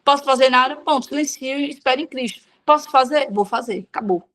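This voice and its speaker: A woman's voice: sits high, a little fast, fairly bright tone. A woman giving an informal devotional talk to women, speaking frankly and conversationally with everyday slang.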